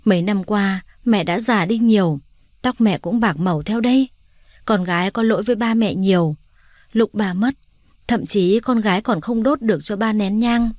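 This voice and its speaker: A tearful young woman comes home after years away, voiced by a female narrator. She speaks in a pleading, emotional voice at a middling pitch. The sound is dry and close. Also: moderate pace, a little mellow, dry recording, lightly acted.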